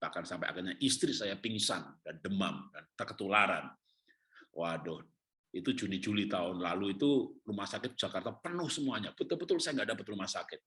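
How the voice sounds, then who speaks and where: A middle-aged man preaching a sermon as a pastor, telling his own story with humor, then sinking into quiet, heavy stretches. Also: deep voice, expressive, fairly quick. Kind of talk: sermon with personal testimony.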